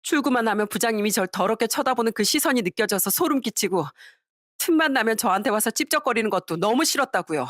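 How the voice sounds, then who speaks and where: A woman's voice: on the high side, lively intonation, fast talker, no echo, clean studio sound. A woman voicing a harassed young wife who speaks in an emphatic, accusing way. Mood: indignant.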